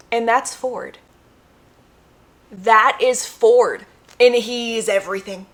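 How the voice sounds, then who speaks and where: A woman's voice: a little high, a bit bright. A young American woman chatting casually and enthusiastically to her viewers, gushing and emphatic, repeating phrases for effect. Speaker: book reviewer vlogger.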